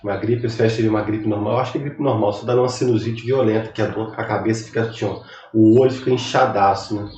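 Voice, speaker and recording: Sniffly Brazilian lecturer in an echoey room. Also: male voice, fairly low pitch, steady tone, fast talker, a little mellow, far from the mic, lo-fi sound. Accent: Brazilian Portuguese. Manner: rambling, conversational, chatty asides. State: recovering from a cold, sniffly. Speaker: university lecturer. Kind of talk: recorded online lecture.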